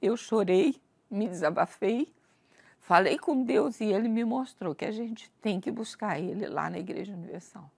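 A woman's voice: medium pitch, moderate pace, vocal fry, darkish tone, husky. A middle-aged woman with a Brazilian accent giving an earnest, emotional personal religious testimony. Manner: earnest, confessional, emotional storytelling. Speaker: church member giving testimony.

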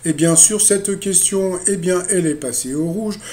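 A man's voice: high-pitched, normal speed, mellow. A man casually recapping a TV quiz show for a video, rambling with many fillers and joking asides. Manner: rambling, full of "donc, euh, voilà" fillers and joking asides.

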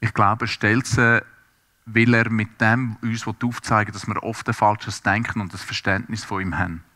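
A man's voice: on the low side, fairly even intonation, normal speed, bright, forceful tone. A man preaching a sermon, speaking earnestly and directly to his listeners. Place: church service, also streamed to homes.

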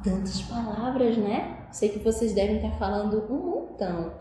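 A Brazilian woman with a Brazilian Portuguese accent teaches young children in a video lesson, speaking in a mid-range voice at a moderate pace. She is coaxing and sing-song, asking lots of questions. The room is very echoey with faint noise.

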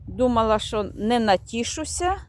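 Walking through her garden outdoors, a vlogger chats fondly in a casual tour, showing plants and occasionally searching for their names. Her pitch is fairly high with lively intonation at a moderate pace, and there's slight background noise.

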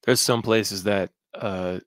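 A laid-back man in his thirties hosts a casual chat from his home studio. His voice sits very low. He is close on a studio mic with a dry sound. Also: fairly even intonation, slow, fairly bright tone, dry recording. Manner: laid-back, reads viewer comments aloud. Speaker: podcast host. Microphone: studio mic on boom.

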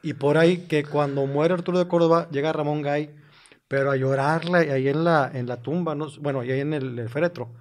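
Mexican host guy, nosy questions, kinda high voice. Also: fairly even intonation, brisk. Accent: Mexican Spanish. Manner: curious, prodding questions. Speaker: podcast host. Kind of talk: casual interview chat.

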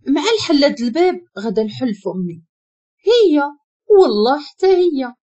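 A woman's voice: on the high side, a little mellow, slightly rough. A young woman with a Moroccan accent narrating her own story in the first person, with an emotional, dramatic reading.

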